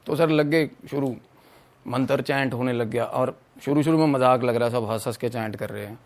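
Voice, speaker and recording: A man from Punjab, telling a story as a podcast guest in an animated way, mixing in English phrases. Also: medium pitch, moderate pace. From Punjab, India. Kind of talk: casual storytelling.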